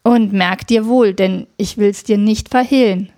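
A woman reading as a hurried male scholar. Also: mid-range voice, dark tone, no echo, studio quality, lightly acted. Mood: urgent. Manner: urgent and commanding.

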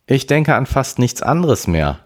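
A man's voice: medium pitch, sing-song, moderate pace, pitched above the performer's own voice. A man voicing a worried, irritable teenage girl who talks anxiously and snaps easily, in an audiobook reading. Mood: fretful.

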